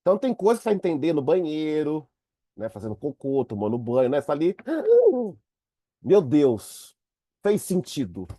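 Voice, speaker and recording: A man teaching psychoanalysis in a lively online lecture, speaking straight to his students. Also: fairly high pitch, quick pace, no room sound. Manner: animated, talks to students directly.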